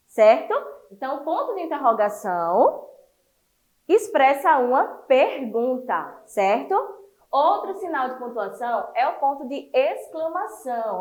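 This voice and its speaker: A woman teacher from Brazil giving an online class to children, lively and encouraging, explaining step by step. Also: sits high.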